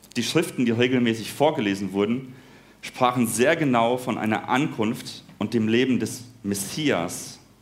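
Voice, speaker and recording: A man talks at a medium pitch and a fairly slow pace. Room echo is audible. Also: ordinary pitch variation. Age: 30s. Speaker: pastoral worker giving a Christmas Eve sermon. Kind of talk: sermon.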